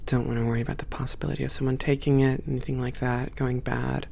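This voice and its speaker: Playing a friendly spaceport supervisor for a one-sided ASMR roleplay, this performer guides a new hire in a reassuring, instructive manner, composed, professional, measured and welcoming. Her creaky, gravel-edged voice sits mid-range with a darkish tone and little pitch movement, and a little hiss or hum can be heard.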